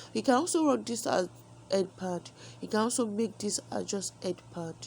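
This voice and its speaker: Soft-spoken woman at a moderate pace. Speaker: fashion tutorial creator. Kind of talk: tutorial.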